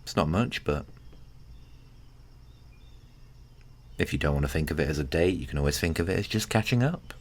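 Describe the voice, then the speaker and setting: A man playing a kindly, awkward, flirtatious tiny friend in an intimate ASMR roleplay, speaking gently and hesitantly with caring, teasing warmth. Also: rumbling low, animated, quick pace. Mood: fond, bashful. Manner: gentle, hesitant, bashfully rambling.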